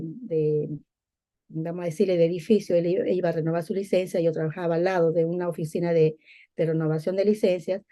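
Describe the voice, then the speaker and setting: Middle-aged female testimony speaker from Peru: warm dark timbre, slightly low pitch, halting conversational delivery with frequent repeats. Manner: halting, searching for words with repeats. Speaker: guest giving testimony. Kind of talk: personal religious testimony, conversational.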